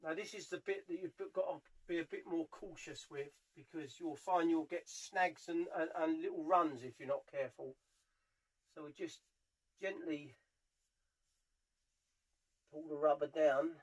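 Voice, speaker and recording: Higher-voiced British man giving a how-to. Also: fairly even intonation, unhurried, pauses often, rough recording. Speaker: furniture polisher giving a how-to demonstration. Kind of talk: casual hands-on tutorial narration. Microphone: camera mic on a tripod, at varying distance.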